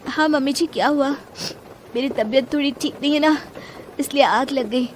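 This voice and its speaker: A woman voicing a gentle young daughter-in-law who speaks softly and earnestly in a cartoon story. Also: high voice, moderate pace, noisy background, pitched above the performer's own voice, close to an everyday voice. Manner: soft, earnest, polite.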